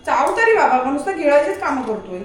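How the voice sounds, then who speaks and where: Home vlogger, woman, high voice, chatty and bossy with her pet, recorded from across a boomy kitchen. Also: fast talker. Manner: alternately coaxing and scolding her dog in a lively, chatty way. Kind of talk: casual home vlog talking to her dog. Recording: very echoey room, voice from a distance, faint noise.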